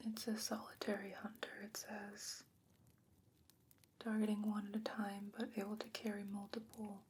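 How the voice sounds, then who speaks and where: A woman playing a thoughtful, learned fantasy sorceress in a soft-spoken, breathy ASMR roleplay, measured and gentle with pondering pauses. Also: medium pitch, monotone, a little hiss or hum, close to an everyday voice. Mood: studious, musing. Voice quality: breathy, whispery, hushed.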